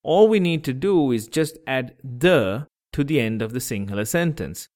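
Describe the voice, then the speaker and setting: A man's voice: medium pitch, expressive, moderate pace, darkish tone. A man teaching a language lesson on a podcast, patiently repeating examples and breaking words into syllables.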